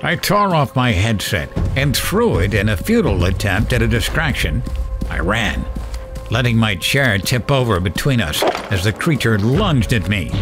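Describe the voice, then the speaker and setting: An actor playing a frightened radio host, telling a suspenseful first-person horror story in a theatrical, deliberate way. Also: male voice, fairly low pitch. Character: frightened male late-night radio host recounting a monster encounter.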